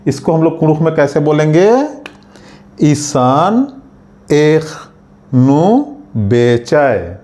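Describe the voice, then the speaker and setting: A man teaching a spoken language lesson, saying each phrase slowly and carefully and repeating it for learners. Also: a little high, lively intonation, warm tone.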